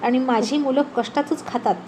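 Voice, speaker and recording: A fiercely protective village mother lashes out in hard, pointed questions in a spoken storybook, as a woman narrator puts her on. Her voice sits high and presses each word. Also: steady tone, moderate pace, a little mellow, a little hiss or hum, lightly acted. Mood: furious.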